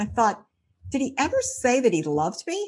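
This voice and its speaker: Talking at a very fast pace, a woman uses a fairly high pitch. She has an American accent. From US Midwest, Cincinnati, Ohio. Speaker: clergy abuse survivor and advocate. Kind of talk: interview testimony.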